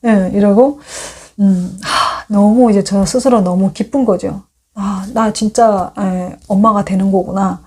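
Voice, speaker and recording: A woman's voice: medium pitch, measured pace, breathy edge. A woman in her thirties, originally from North Korea, telling a personal story in a casual monologue and acting out the dialogue as she goes. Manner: animated, acts out quoted dialogue. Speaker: YouTube host sharing her story.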